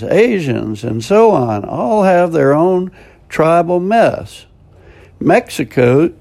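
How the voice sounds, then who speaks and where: An older American man gives a short scripted devotional in a slow, unhurried delivery. His voice sits a little high and has a gravelly texture. He speaks plainly, with a homespun manner and dry humor aimed at himself. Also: mellow. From United States. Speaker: devotional radio host.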